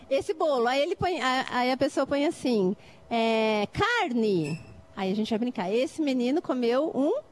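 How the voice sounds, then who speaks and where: Lively high-voiced woman explaining a classroom game. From Brazil. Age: middle-aged. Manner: explanatory, asks listeners if they follow. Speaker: lecturer on literacy teaching. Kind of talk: debate panel talk.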